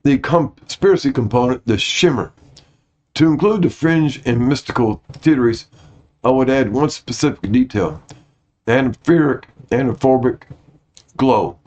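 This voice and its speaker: A man with a mid-range, darkish voice reads notes aloud to his viewers a little slowly and informally. He stumbles over some words, corrects himself, and apologizes for his pronunciation. The recording has a dull lo-fi quality.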